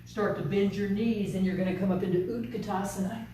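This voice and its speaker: A woman teaching a yoga class, giving calm, unhurried step-by-step cues. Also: medium pitch, a little hiss or hum. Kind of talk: guided yoga class instruction. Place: yoga studio. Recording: distant, very echoey studio room.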